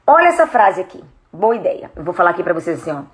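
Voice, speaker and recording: A woman's voice: on the low side, fast talker. A woman with a Brazilian Portuguese accent, a speech therapist giving a direct-to-camera lesson, asking viewers questions and acting out tones of voice. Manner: animated, explains with spoken demos of tone. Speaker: speech therapist and communication coach.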